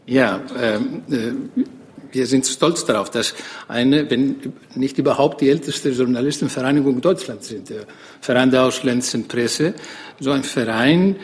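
A man, a foreign correspondent introducing himself on a panel, hesitating often with fillers. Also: mid-range voice. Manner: halting, many fillers.

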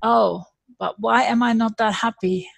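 A woman hosts an interview, her voice slightly high and recorded dry and close. She listens with brief, supportive affirmations and relates to what she hears. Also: steady tone, measured pace, gravelly, slightly rough, dry recording. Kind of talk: interview conversation.

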